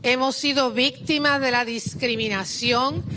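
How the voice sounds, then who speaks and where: A woman's voice: high-pitched, fairly even intonation, a little slow, background noise. A Puerto Rican woman giving an impassioned speech at an outdoor political rally, rousing the crowd in a Puerto Rican accent. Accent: Puerto Rican Spanish. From Puerto Rico. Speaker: rally speaker.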